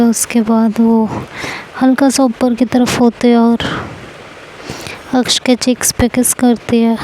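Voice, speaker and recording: A woman's voice: fairly high pitch, warm tone, slight background noise, rough recording. A woman narrating a love story in a casual, chatty, conversational way.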